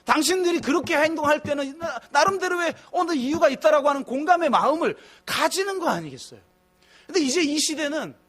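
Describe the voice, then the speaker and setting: High-voiced Korean pastor preaching. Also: male voice. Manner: conversational preaching, swings from soft musing to loud emphatic outbursts. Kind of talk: sermon. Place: church sanctuary.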